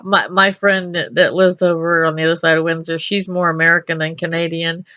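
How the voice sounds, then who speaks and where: A woman's voice: on the low side, fairly even intonation, a little fast, sharp tone, dry recording, muffled recording. A middle-aged woman from Texas, a radio show host chatting with her guest in an upbeat, rambling way. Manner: chatty and upbeat, many restarts and laughs. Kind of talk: casual interview chat.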